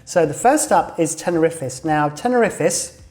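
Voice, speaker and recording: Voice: mid-range voice, expressive, a little slow, darkish tone. A host giving a casual weekly news rundown of a game world while drawing on a map, talking in a loose, rambling way with many fillers and self-corrections, voice slightly worn. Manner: laughs at own doodling while drawing on screen. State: slightly losing voice. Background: faint background music.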